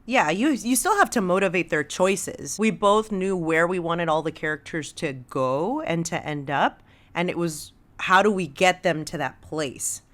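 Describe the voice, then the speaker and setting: A woman's voice: on the low side, lively intonation, unhurried, a bit bright. A woman guest talking casually and emphatically on a podcast, stating her opinions firmly.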